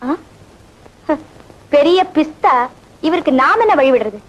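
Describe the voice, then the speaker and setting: A sassy rich young heroine. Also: female voice, high voice, very animated, slow, heavily acted, low-quality recording. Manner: sharp-tongued, sassy. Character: feisty, mischievous rich young woman. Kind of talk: 1980s film comedy dialogue.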